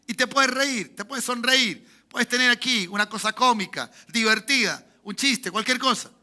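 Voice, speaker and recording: A Chilean pastor with a Chilean Spanish accent preaches from the pulpit of a church. His voice sits high for a man and rings very bright and forceful. He climbs to loud emphatic peaks, drops into quiet asides, and keeps asking the congregation for amens. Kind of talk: sermon. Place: church sanctuary.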